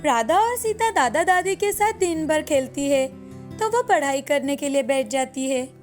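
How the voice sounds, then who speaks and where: A woman narrating an animated moral story in an even, explanatory storybook manner. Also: sits high, a little slow, faint music behind.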